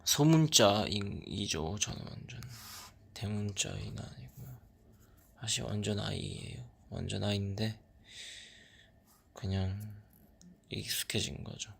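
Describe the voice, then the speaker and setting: Low, gravelly soft-spoken young man. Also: slow pace, long pauses, a little hiss or hum. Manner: soft-spoken, drifting into whispers and trailing off. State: sleep-deprived. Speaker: idol on a fan livestream. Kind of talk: casual livestream chat reading fan comments.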